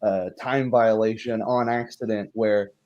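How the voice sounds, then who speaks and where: A tired man chatting casually as game master and host of a livestreamed tabletop game, giving a recap in a halting way. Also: fairly low pitch, steady tone, a little mellow, highs cut off.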